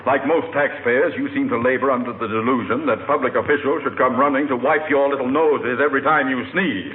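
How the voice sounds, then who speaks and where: An actor playing a pompous, sarcastic small-town mayor who speaks condescendingly, in 1940s radio comedy style. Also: male voice, mid-range voice, steady tone, a little fast, slight background noise, lightly acted. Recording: tinny distant radio recording, roomy.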